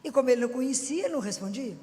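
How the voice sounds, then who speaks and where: A woman's voice: sits high, animated, racing, dark tone, long reverb tail. A woman with a Minas Gerais accent preaching informally to an audience, chatty and full of rhetorical questions. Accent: Minas Gerais Portuguese. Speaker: Christian speaker.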